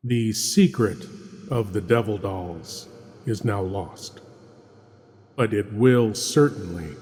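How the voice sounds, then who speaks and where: A man hosting a horror radio show, signing off in a slow, ominous, theatrical manner. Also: on the low side, a little mellow. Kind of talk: theatrical spooky sign-off. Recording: reverberant room with music.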